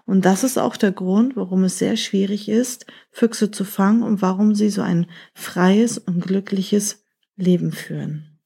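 A woman reading a children's story aloud, gently speaking straight to the child who is listening. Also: mid-range voice, steady tone, a little slow, creaky, breathy edge.

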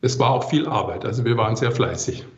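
An older man giving relaxed answers as an interview guest. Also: mid-range voice, fast. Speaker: composer interviewed as podcast guest. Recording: muffled, roomy, echoey remote recording.

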